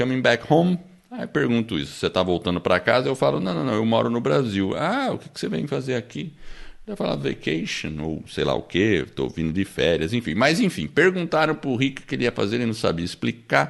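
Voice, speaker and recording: A man with vocal fry talks fairly quickly, his pitch swinging very widely. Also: medium pitch for a man. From São Paulo, Brazil. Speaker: podcast host. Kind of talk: casual podcast discussion.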